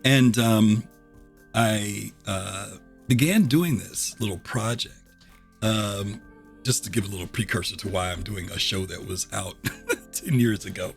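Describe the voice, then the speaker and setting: A middle-aged man chatting casually as a streamer reviewing a game show, full of ums and throat clears, his voice a little rough. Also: on the low side, unhurried, soft background music. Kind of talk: casual livestream chat.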